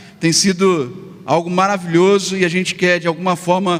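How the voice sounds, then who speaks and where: This man talks at a fairly slow pace with a high pitch. Background noise is noticeable. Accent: Rio de Janeiro. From Rio de Janeiro, Brazil (São João de Meriti). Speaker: pastor. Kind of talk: sermon. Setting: church. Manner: animated.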